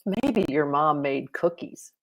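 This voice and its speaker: A bubbly young girl, the agreeable best friend in a children's storybook, acted by a woman. She speaks cheerfully and admiringly, with animated rises in pitch. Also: slow, full character voice. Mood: sweet, admiring.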